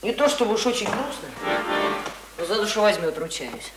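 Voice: medium pitch, sing-song, normal speed, lightly acted. A cheeky schoolboy, played by an actor in a radio drama, answering adults bluntly and contrarily. The voice sits in a roomy space with music behind it. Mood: earnest. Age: child. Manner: pert, contrary, blunt retorts. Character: cheeky schoolboy son, accordion player, talks back to adults. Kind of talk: Russian radio drama acting. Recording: roomy studio radio play sound.

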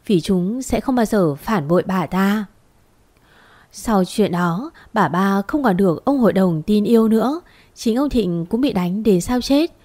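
A woman's voice: mid-range voice, darkish tone. Woman narrating a dramatic family story.

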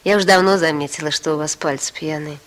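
A woman's voice: low voice, steady tone, fast, lightly acted. An actress playing a kind, curious woman who coaxes stories out of her guest, in 1960s radio drama style.

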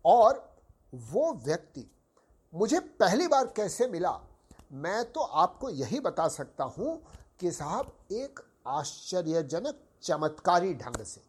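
An older man from Uttar Pradesh with a sore, hoarse throat, hosting a podcast and telling a story in a formal, courteous way, addressing his listeners as sahib. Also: sits high, very animated, slow pace, darkish tone. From Uttar Pradesh, India. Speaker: podcast host. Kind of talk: slow reminiscing storytelling.

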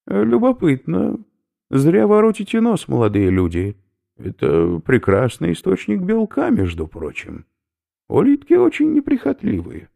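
A man's voice: high voice, huge pitch swings, a little slow, creaky, dark tone, voice pushed up, full character voice. A man voicing a pedantic elderly male professor who lectures in a genteel, pompous way. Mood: lecturing.

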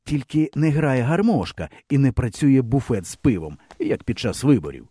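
A man reading a first-person novel aloud with expressive storytelling. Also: medium pitch, normal speed, husky, dry recording. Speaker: audiobook reader. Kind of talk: audiobook narration.

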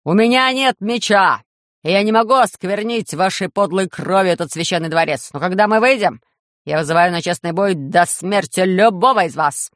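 A man voicing a bold young male mole warrior in an audiobook, loud and defiant. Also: high-pitched, fast, no echo, clean studio sound, close to an everyday voice.

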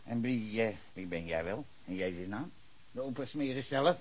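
Radio play: a man voicing a hostile, ranting bar owner in his fifties, with a lively, husky, bright delivery. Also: lowish voice, moderate pace, poor audio. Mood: grumbling. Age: 50s. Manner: cursing, ranting, swings between shouting and muttering. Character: foul-mouthed hostile older male bar owner, drunken ranter.

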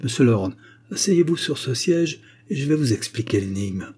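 A man voicing a bold, quick-witted young gypsy woman in an audiobook, speaking firmly and sharply. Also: medium pitch, expressive, breathy edge, voice pushed up. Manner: firm, sharp-tongued.

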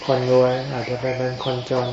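A man giving an informal Buddhist sermon as a monk, in a low-key murmur, with short phrases and pauses. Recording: echoey, dull lo-fi, noisy with insects.

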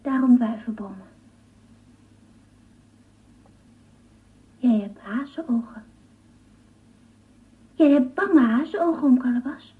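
A woman's voice: sits high, expressive, moderate pace. A woman voicing a whimsical, inquisitive little girl with childlike prattle in a radio play. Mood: dreamy, whimsical. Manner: childlike prattle, endless naive questions. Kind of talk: Dutch radio play acting. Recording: muffled lo-fi old radio recording.

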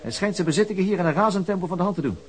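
A man's voice: sits high, very fast, close to an everyday voice. An actor with a Dutch accent playing a stubborn veteran police detective in his fifties, blunt and musing by turns in a radio play. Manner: blunt, musing, then commanding. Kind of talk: Dutch radio drama acting.

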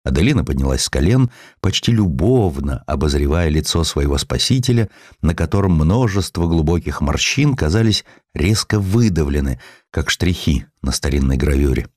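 A man reads scripted literary prose as an audiobook narrator. His low voice moves expressively through the phrases with dramatic, measured storytelling, and the recording is dry and close. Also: lively intonation, darkish tone, no room sound.

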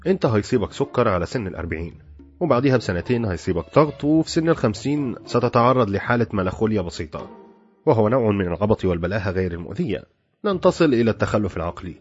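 A man's voice: lowish voice, very animated, very fast. A man voicing a sardonic, blunt male doctor with an Egyptian accent, mocking and matter-of-fact. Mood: clinical. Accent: Egyptian Arabic. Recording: dull lo-fi with faint music.

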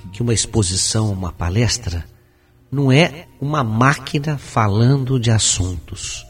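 A man hosting a radio discussion, explaining in a measured way and sometimes reading aloud with careful articulation. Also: medium pitch, slightly rough. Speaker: program host.

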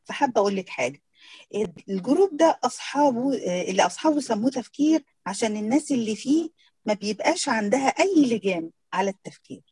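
A woman's voice: fairly high pitch, mellow, husky, no echo. A woman with an Egyptian Arabic accent, playing a reassuring woman who runs a discussion group. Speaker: actor rehearsing a play.

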